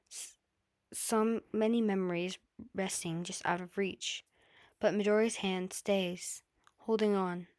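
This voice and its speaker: A woman reading fan fiction as an amateur narrator, with an earnest, slightly halting delivery. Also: mid-range voice, a little mellow, dry recording, studio quality. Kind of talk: audiobook-style narration of an emotional story.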